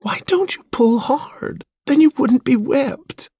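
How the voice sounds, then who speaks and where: A man's voice: high-pitched, expressive, moderate pace, darkish tone, breathy edge, no echo, studio quality, pitched above the performer's own voice. A man voicing a dainty, fussy, sentimental young woman in a storybook, pleading theatrically. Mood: tearful, sympathetic.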